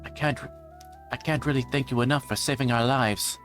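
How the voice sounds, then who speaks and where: A man's voice: medium pitch, steady tone, brisk, a bit bright, faint music behind, natural voice. A man voicing a friendly, earnest young girl from a visual novel, speaking politely.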